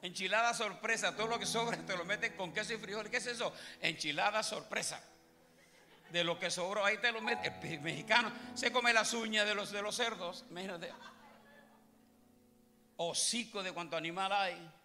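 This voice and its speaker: A man's voice: high-pitched, normal speed, bright, forceful tone. A man preaching a comic sermon as pastor, joking and teasing his congregation. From Puerto Rico. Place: large church hall. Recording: live church hall with music. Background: music playing.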